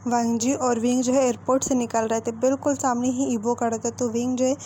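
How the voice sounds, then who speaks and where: A woman's voice: on the high side, little pitch movement, a little fast, dark tone, slight background noise. Woman retelling a story casually. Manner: conversational, repeating "so he says" between quotes. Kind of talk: retelling a fan fiction story.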